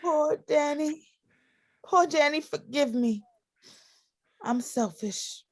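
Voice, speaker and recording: Actress as frail young sister, high voice, slow plaintive delivery, timid, gentle, play reading. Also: female voice. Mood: wistful, fearful. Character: frail, timid, anxious twenty-year-old sister, gentle and devoted. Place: video call play reading.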